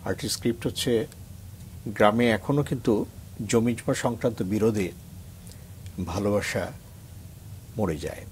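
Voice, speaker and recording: A man's voice: fairly low pitch, normal speed, long pauses, a little mellow, a little hiss or hum. A middle-aged man from Bangladesh, a reciter on a TV morning show, talking earnestly and then reciting a poem with swelling emphasis. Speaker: reciter guest. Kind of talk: reflective talk and poetry recitation. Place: TV studio.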